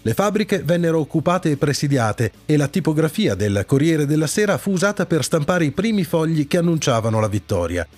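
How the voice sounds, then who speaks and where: A man presents a radio programme with scripted narration. His voice sits a little higher than most men's, and soft music runs behind him as he reads. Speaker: radio show host. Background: background music.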